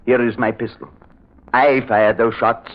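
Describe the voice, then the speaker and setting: An actor playing a desperate, defiant lover and suspect in a melodramatic old-time radio drama style. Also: male voice, medium pitch, little pitch movement, unhurried, natural voice. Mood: grim, defiant. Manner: intense, melodramatic. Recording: muffled vintage radio recording.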